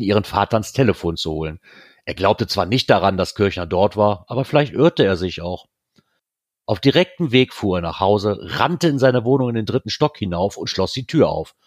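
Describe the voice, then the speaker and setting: A man reading a novel aloud in a steady, even storytelling manner. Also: fairly low pitch, dry recording, studio quality. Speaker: reader.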